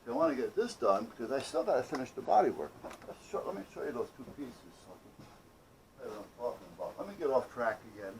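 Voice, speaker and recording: A man's voice: mid-range voice, sing-song, fast, a little hiss or hum, poor audio. A man chatting casually through a hands-on workshop project, rambling and muttering to himself with playful asides. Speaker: hobbyist maker hosting own workshop videos.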